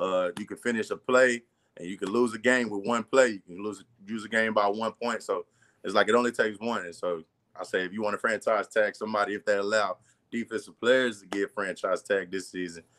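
An ordinary speaking voice with an American accent moves at a fairly quick pace with fairly even intonation. The sound is dry and close with no echo, and the loudness swings widely. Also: man, fairly low pitch for a man. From Arkansas, US South. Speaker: football player. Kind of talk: interview.

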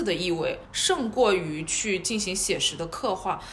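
A woman with a Hong Kong accent and very wide pitch swings, amid audible room echo and noticeable background noise. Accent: Shenzhen Mandarin with Hong Kong-style. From China, Shenzhen. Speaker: visual artist. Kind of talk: casual chat.

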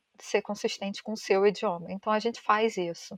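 A fairly high-pitched woman speaks with monotone, flat intonation. The sound is dry and close with no echo, over a quiet background. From Brazil. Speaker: Brazilian expat interviewee. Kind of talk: casual interview. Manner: halting, many fillers.

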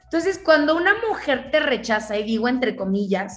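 At a moderate pace, a woman talks in a high pitch over noticeable background noise. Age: 20s. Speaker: life and performance coach. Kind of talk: interview.

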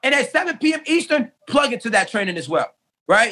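Raising and projecting his voice, a man talks at a fairly quick pace with a bright, sharp tone and lively intonation. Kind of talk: pep talk. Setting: video call. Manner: fired-up, emphatic, repeats phrases for punch.

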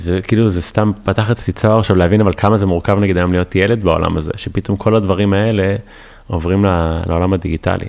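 Very deep and low in pitch, a man talks at a very fast pace with fairly even intonation. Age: 30s. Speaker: podcast host. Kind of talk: casual chat.

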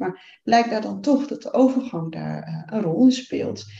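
Her tone is dark and mellow, somewhat breathy, at a medium pitch. The woman speaks at a moderate pace. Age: 50s. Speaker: menopause specialist, sociologist. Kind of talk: interview, explaining.

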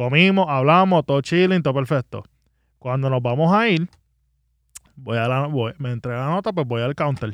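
A man with a fairly high pitch speaks at a moderate pace with lively intonation and long, frequent pauses. The sound is dry and close with no echo, over a quiet background. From Puerto Rico, Cabo Rojo (west). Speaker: podcast co-host. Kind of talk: casual chat.

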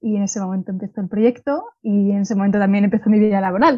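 A woman's dark, mellow voice sounds somewhat breathy, with fairly even intonation. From Spain, Madrid. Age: 20s. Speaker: social entrepreneur and startup CEO. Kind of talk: interview conversation.

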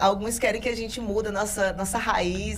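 Audible room echo and noticeable background noise accompany a woman's fairly high voice. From Pará, Brazil (Marabá / Parauapebas). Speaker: pastor and social media influencer. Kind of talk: casual interview chat.

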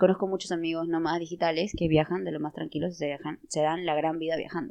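Over a quiet background, a woman talks at a very fast pace with a fairly low pitch. Her intonation is fairly even. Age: 20s. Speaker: traveler. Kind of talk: casual interview.

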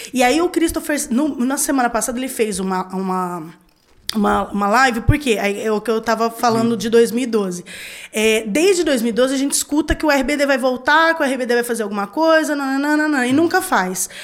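In a very clean recording with a silent background, a woman talks at a moderate pace with a high pitch and lively intonation. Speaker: fan club founder. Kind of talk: casual chat.

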